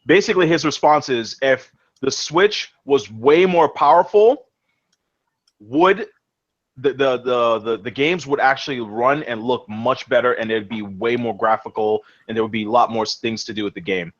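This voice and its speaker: A young man hosting a casual gaming podcast, talking excitedly, swearing freely and repeating his words as he goes. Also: mid-range voice, moderate pace, lo-fi sound. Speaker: podcast host.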